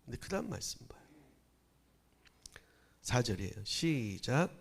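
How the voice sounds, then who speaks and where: Animated Korean pastor, Jeolla-tinged Gyeongsang accent. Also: male voice, mid-range voice, a little slow, vocal fry, breathy edge. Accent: Gyeongsang Korean with Jeolla dialect habits. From Gyeongsang region of Korea. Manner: conversational preaching with rhetorical questions, shifting between loud and hushed. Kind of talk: Sunday sermon. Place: church.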